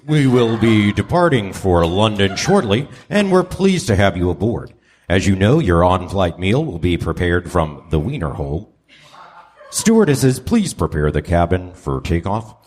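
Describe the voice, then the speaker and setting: Genial airline captain, played by a man, formal comic announcements, very varied low delivery, live theater sound. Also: very animated, a little slow, full character voice. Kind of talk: comic live radio play acting. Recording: live theater stage, noisy.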